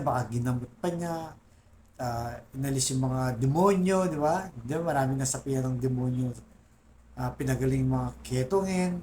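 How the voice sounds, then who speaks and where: A man's voice: fairly high pitch, a little hiss or hum. A man giving a casual Catholic reflection talk, often asking his listeners "right?" and calling them guys, rising in voice as he lists sufferings. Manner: keeps asking "di ba?" and addressing "guys". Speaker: Catholic faith vlogger.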